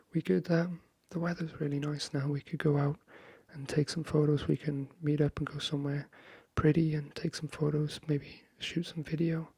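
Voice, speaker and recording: A man speaking softly and breathily, half whispering in a hesitant, friendly ASMR chat into a close microphone. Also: a little high, creaky, husky, no room sound. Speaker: ASMR video creator. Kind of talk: soft-spoken ASMR, friendly chat roleplay.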